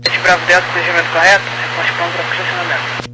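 A Brazilian man working as an air traffic controller, reciting procedural clearances over aviation radio. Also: sits high, monotone, racing.

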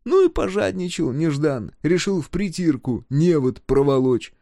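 A man's voice: a little high, big pitch swings, moderate pace, gravelly, mellow, no room sound, voice pushed up. A grinning, knowing workman from a storybook, teasing and a bit boastful as he explains things, voiced by a male narrator. His voice sits raised above the reader's own and swings a lot. It is recorded close and dry. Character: sly grinning middle-aged working man, joking. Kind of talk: audiobook character voice.

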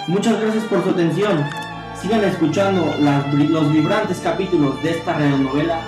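Narrator for old-time radio drama: Mexican man, theatrical announcing, roomy sound over clear string music. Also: a little high, normal speed.

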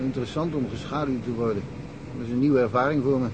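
An actor playing a talkative middle-aged provincial police detective in a radio drama, telling wry stories and chuckling often. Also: male voice, medium pitch, fast talker, muffled recording, background noise, close to an everyday voice. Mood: amused, chatty.

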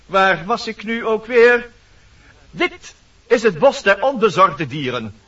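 An actor playing a fussy, officious woodpecker master of ceremonies in a Dutch radio play, formal, pompous and easily exasperated. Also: male voice, high-pitched, animated, slow pace, bright, forceful tone, recorded from a distance, lo-fi sound, exaggerated voice.

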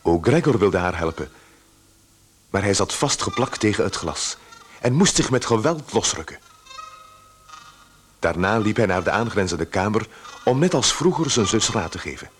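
A man's voice: on the low side, sing-song, normal speed, long pauses. A man giving dramatic scripted narration for a radio play.

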